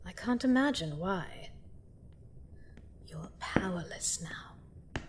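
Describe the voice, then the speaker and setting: A woman playing a vengeful, imperious vampire queen in a fantasy audio drama, speaking deliberately and with menace, often dropping into hushed, breathy asides. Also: on the low side, a little hiss or hum. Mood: mocking, threatening. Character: vengeful vampire queen, imperious conqueror gloating over a captive prince.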